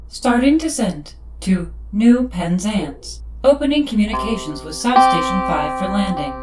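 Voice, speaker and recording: A woman's voice: medium pitch, expressive, unhurried, echoey room, over music, lightly acted, rough recording. A woman playing a literal-minded, unflappable spaceship computer in an audio drama, speaking precisely and formally as if making announcements. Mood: calm, dutiful.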